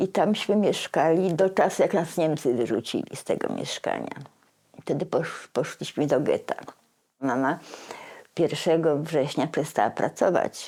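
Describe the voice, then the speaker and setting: Speaking at a fairly slow pace, a woman has a fairly low pitch, ordinary pitch variation and a dark, mellow tone. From Poland, Warsaw. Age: 80s+. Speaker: Holocaust survivor. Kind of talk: testimony interview.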